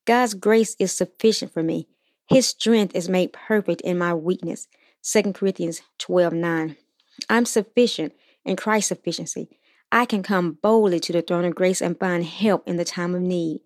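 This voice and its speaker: A woman hosting a Christian motivational podcast, reading scripture and encouraging listeners in an earnest, steady way. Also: lowish voice, moderate pace, dry recording, studio quality. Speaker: podcast host.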